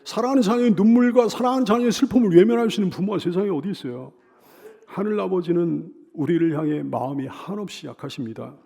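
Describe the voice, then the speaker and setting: A middle-aged male pastor preaching a sermon, swinging from loud emphatic cries to soft hushed lines, with repeated pleading phrases. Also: fairly high pitch, gravelly. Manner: leads the congregation in call-and-repeat.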